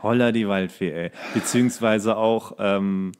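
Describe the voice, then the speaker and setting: A man's voice: fairly low pitch, steady tone, a little slow, darkish tone, clean tone. A man co-hosting a casual podcast chat in a rambling, jokey way. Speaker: podcast co-host.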